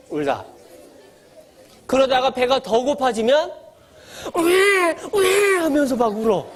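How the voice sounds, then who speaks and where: A man preaching a sermon to children, animated, asking them questions and acting out small scenes of mother and baby. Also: high-pitched. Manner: acts out mother and baby voices. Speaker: pastor.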